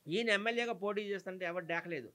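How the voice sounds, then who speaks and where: A man's voice: sits high, pushed and bright. A man, giving an indignant, emphatic interview complaint that rattles off long lists. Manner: indignant, rapid, emphatic listing.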